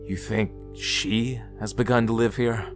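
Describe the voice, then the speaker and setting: A man's voice: fairly low pitch, steady tone, unhurried, natural voice. A young man playing a grumbling, wry young prince in a fan audio drama. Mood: serious. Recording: music playing behind. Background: music.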